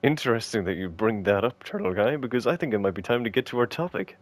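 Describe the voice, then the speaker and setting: A man's voice: medium pitch, animated, fast talker. A man co-hosting a casual podcast, joking and teasing, with exasperated rants. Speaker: podcast co-host.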